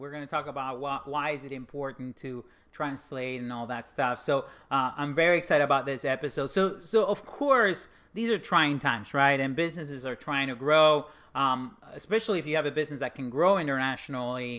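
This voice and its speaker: On a very clean recording with a silent background, a man with a Spanish accent and a fairly high pitch speaks at a fairly quick pace in a bright, sharp tone, with big swings in loudness. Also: ordinary pitch variation. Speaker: podcast host, marketing agency CEO. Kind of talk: interview.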